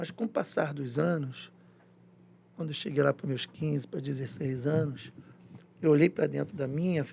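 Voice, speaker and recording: A man talks fairly slowly in a fairly high, somewhat breathy voice with a dark, mellow tone. His pitch variation is ordinary. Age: 60s. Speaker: social project founder. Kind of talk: podcast interview.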